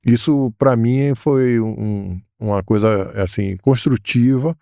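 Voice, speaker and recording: A man, a guest recalling his life in a thoughtful, hesitant way with many pauses and fillers. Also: medium pitch, vocal fry, mellow, clean tone, dry recording, studio quality. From Salvador, Bahia, Brazil. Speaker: guest, educator. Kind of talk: relaxed interview conversation.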